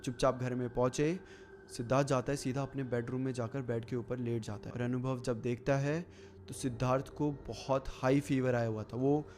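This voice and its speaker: A man hosting a show, narrating a scary true story in a relaxed, conversational way. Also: medium pitch, moderate pace. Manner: conversational, relaxed retelling with fillers. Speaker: horror story narrator and host. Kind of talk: casual storytelling.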